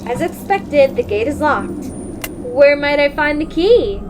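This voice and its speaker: High-pitched woman playing a curious female investigator, musing aloud, fairy-tale game, audible background noise. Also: animated, measured pace. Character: curious woman detective exploring a sealed fairy-tale kingdom. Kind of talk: hobby fandub game narration. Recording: clearly noisy home recording.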